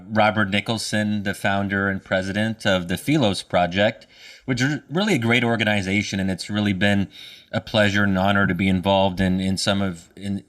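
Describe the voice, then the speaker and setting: A man's voice: lowish voice, a bit bright, distant mic. A man co-hosting a podcast, easygoing and casual as he introduces a guest over a remote call. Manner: easygoing, laughs between phrases. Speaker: podcast co-host.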